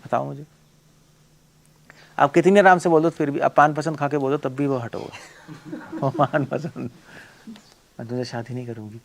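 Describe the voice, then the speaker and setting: Male monk preacher, lecture voice, blunt and forceful, asks the audience question after question. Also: fairly high pitch, fairly even intonation, moderate pace, creaky, long pauses. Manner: forceful, blunt, rhetorical questions, mixing in English.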